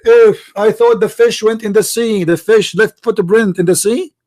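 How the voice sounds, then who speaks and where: Hosting a heated religious debate, an Arabic-speaking Middle Eastern man speaks at a moderate pace in a voice that sits high with a darkish tone. He's combative, hammering his opponent with repetitive, mocking questions.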